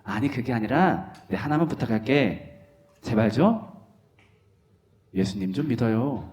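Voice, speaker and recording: A man voicing an older male pastor who gently asks a favor. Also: mid-range voice, animated, fast, close to an everyday voice. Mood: coaxing.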